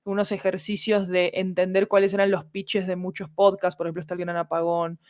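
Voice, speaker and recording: A woman's voice: on the low side, flat delivery, a little fast, a little mellow, dry recording. Woman explaining conversationally, dry sound. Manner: discursive, checks with rhetorical tag questions. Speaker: podcast guest, fiction audio producer.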